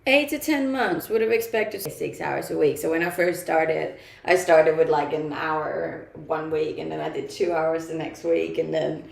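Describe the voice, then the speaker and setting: A woman's voice: low-pitched, measured pace, creaky, hardly any pauses, echoey room. A young woman from Denmark whose first language is Danish, chatting casually on a live stream and reading out viewer comments, laughing often and using many fillers.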